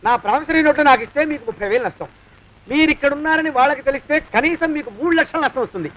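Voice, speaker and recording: A man's voice: very high-pitched, rapid-fire, a bit bright, highs cut off. A man playing a scheming servant who blackmails his master, nagging him with the same question again and again in a film comedy scene. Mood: pestering. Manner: nagging, keeps pestering with a repeated question.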